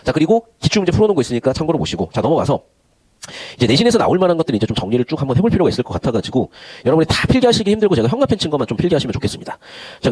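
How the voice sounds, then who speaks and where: In an online lecture, a man from Korea's Gyeongsang region teaches Korean literature in a chatty way, moving between polite and casual speech. His voice is fairly high and darkish in tone, with no echo.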